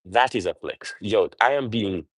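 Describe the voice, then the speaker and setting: An animated man with a lowish voice runs a motivational livestream at a moderate pace, talking off the cuff with emphasis and checking for agreement via rhetorical questions. No echo is present.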